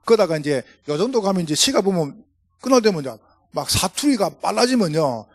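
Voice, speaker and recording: A middle-aged male pastor with a Gyeongsang Korean accent tells jokey stories from the pulpit. His fairly high voice rises and falls a great deal and has a husky edge. The sound is close and dry. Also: fairly quick, no echo. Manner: storytelling, jokey, animated. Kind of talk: humorous sermon to pastors. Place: church.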